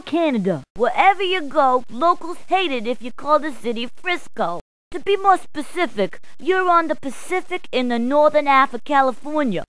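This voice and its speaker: High-pitched, jokey New policewoman. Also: a bit bright, no echo, full character voice. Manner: playful, punning, emphatic delivery. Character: brash, jokey New York policewoman giving directions. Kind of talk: scripted video game character clips.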